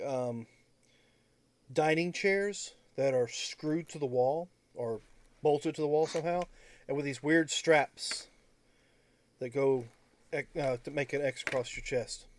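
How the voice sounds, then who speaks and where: A man running a tabletop game as game master, improvising narration in a casual, halting way. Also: on the high side.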